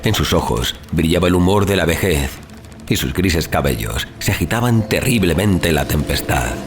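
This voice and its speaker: A man narrating a horror audiobook in a measured, solemn, theatrical manner, as a dramatic scripted reading. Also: sits low, animated. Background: music.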